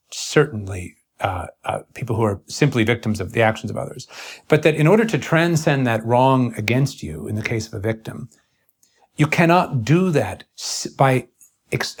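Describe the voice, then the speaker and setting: A man interviewing in an earnest intellectual conversation, speaking in formal academic phrases with a halting, searching delivery. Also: medium pitch, animated, husky.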